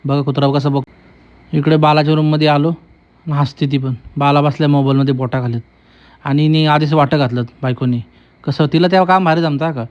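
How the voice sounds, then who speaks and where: Guy narrating his vlog, teasing and repeating himself, bit high voice, muffled phone sound. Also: fairly even intonation, a little fast, a little mellow. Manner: chatty, teasing, repetitive running commentary. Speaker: vlogger. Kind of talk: casual vlog commentary. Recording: dull lo-fi phone audio.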